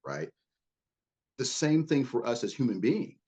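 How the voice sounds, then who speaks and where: A man's voice: mid-range voice, expressive, unhurried, mellow, breathy edge. A man speaking as a guest in a podcast interview, earnest and often repeating words as he builds a point. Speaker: guest, leadership consultant.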